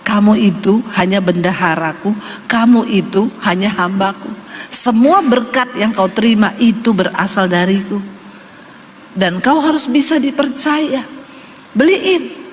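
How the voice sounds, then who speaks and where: A woman preacher voicing God as a calm, commanding male voice, in a reverberant hall. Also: mid-range voice, measured pace, voice pushed down, natural voice. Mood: stern. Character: God speaking, stern male divine voice. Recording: reverberant church hall, faint noise.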